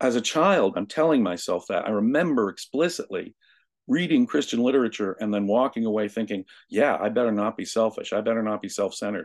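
With a plain, everyday voice, a man talks at a medium pitch and a fairly quick pace. His intonation is lively over a quiet background. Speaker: author and critic. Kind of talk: casual interview conversation.

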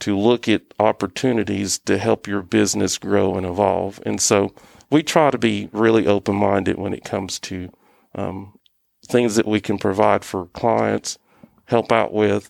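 On a very clean recording with a silent background and a dry, close sound with no echo, a man speaks at a moderate pace with vocal fry and ordinary pitch variation. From Jonesborough, East Tennessee. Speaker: insurance agency owner. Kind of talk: interview.

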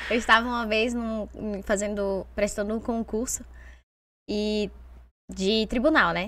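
A woman's fairly high, bright and sharp voice, fairly even in intonation, at a fairly slow pace with long, frequent pauses. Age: 20s. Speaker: lawyer specialising in digital law. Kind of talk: casual interview.

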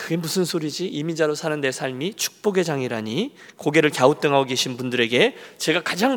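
Here a man has a normal speaking voice with a fairly high pitch. His intonation is lively and his pace is moderate. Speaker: senior pastor of an immigrant church. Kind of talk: sermon. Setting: church service.

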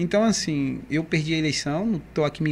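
Ordinary pitch variation marks a man's unremarkable speaking voice, pitched fairly high for a man and delivered at a moderate pace. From Camaçari, Bahia, Brazil. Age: 40s. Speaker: former city councillor. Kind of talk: casual interview. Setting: studio.

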